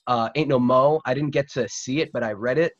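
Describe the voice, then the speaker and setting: A man's voice: medium pitch, a little fast, muffled recording. A young man hosting a casual interview over a video call, effusive and free with swearing. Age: young adult. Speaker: talk show host. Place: home room, on a video call.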